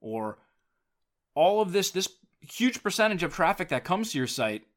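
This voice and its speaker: A man's voice: sits high, sing-song, normal speed. A man hosting a solo podcast, talking casually and emphatically about business, often repeating words as he drives a point home. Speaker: podcast host; business coach and writer.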